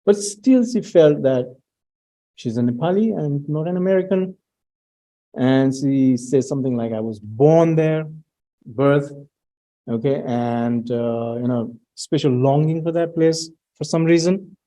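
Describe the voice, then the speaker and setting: Mellow-voiced man giving a research talk. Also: on the high side, a little slow, poor audio. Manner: hesitant, many fillers and restarts, reads out student quotes. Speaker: presenter. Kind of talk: academic conference presentation.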